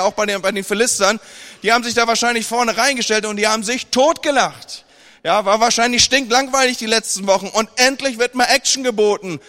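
A high-pitched man preaches to a seated congregation, with his voice ringing through a hall with long reverb. He is from northern Germany and mixes scripture reading with wry, joking retellings. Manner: lively, humorous retelling with mock dialogue.

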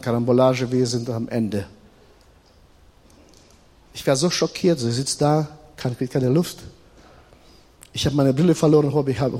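A middle-aged male preacher with a fairly high, husky voice delivers a sermon. He swings from loud, emphatic declarations to hushed, personal storytelling. His voice rings out with a long reverb in a large church hall. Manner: swings between loud emphatic stretches and quiet confiding storytelling.

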